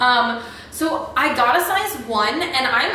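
The speech carries lively intonation. There is audible room echo and light background noise. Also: woman. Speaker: fashion YouTuber. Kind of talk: try-on haul vlog. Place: home room. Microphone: camera far.

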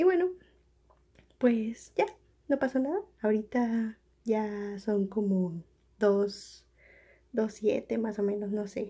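Against a quiet background, a woman with a Mexican accent speaks at a very slow pace in a somewhat breathy, dark, mellow tone with a fairly high pitch, ordinary pitch variation, and long, frequent pauses. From Mexico. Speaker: youtuber. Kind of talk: casual vlog. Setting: at home late at night. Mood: cheerful, a bit embarrassed. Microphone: phone near.

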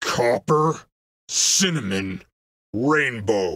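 A man's growling, raspy put-on character voice at a medium pitch, with a menacing tone. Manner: menacing growl.

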